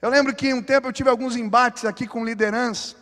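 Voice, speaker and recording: A Brazilian pastor with a strikingly high voice delivers a fervent sermon, easing into chatty asides before pressing his point. His words ring through a church hall with a long, lingering reverb. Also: fairly even intonation, a little fast, fairly bright tone. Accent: Brazilian Portuguese. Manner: impassioned preaching with casual asides and building exhortation. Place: church sanctuary.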